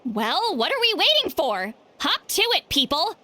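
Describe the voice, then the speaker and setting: A woman playing a seasoned, self-assured female tribal elder with a youthful voice in a video game, brisk, teasing and caring. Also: on the high side, animated, fairly bright tone. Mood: playful. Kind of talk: video game character acting. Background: game music.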